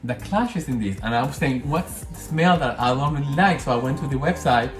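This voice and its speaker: A man's voice: medium pitch, expressive, a little fast. A man with a Spanish accent talking through a candle-making session in a casual, rambling way, often correcting himself as he goes. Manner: rambling, self-correcting, chatty. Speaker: candle maker. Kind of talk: casual hands-on tutorial. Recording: roomy echo, faint music.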